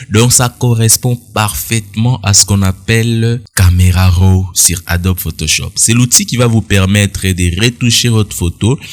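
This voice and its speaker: A man walking viewers through a phone editing app in a casual, explanatory screen-recorded tutorial. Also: low voice. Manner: explanatory, addresses viewers directly, casual asides. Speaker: tutorial instructor.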